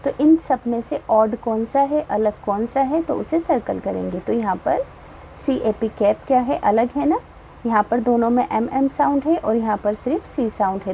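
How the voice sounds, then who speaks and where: A woman's voice: on the high side, creaky, mellow, slight background noise, rough recording. A woman teaching young children from a textbook, patiently explaining and spelling words out letter by letter. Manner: patient, slow, reads English lines very slowly and spells words letter by letter.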